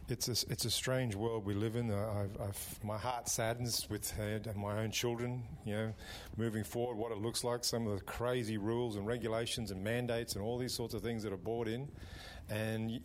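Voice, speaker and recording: A man's voice: lowish voice, a little hiss or hum. A man speaking hesitantly on a talk radio panel, rambling with many restarts. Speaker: panel guest.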